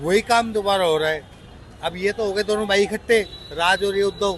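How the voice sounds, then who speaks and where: Through noticeable background noise, a man speaks at a moderate pace in a high pitch with ordinary pitch variation. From Delhi. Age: 40s. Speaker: passer-by interviewed on the street. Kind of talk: street interview.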